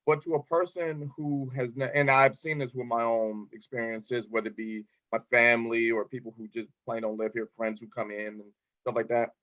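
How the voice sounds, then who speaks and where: A man's voice: medium pitch, flat delivery, normal speed, fairly bright tone. A man hosting a podcast interview, chatty and proud of his home town. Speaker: podcast host. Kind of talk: casual interview chat. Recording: slightly dull lo-fi audio.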